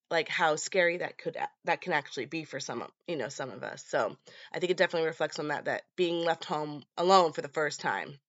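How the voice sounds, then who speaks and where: A woman's voice: fairly low pitch, a bit bright, no room sound, muffled recording. A woman hosting a casual horror movie podcast, her voice congested and nasal with a stuffed nose and sore throat. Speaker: podcast host.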